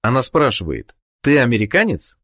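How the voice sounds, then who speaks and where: A man narrating a scripted language course, giving clear prompts to the learner. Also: mid-range voice, wildly swooping pitch, moderate pace, a bit bright.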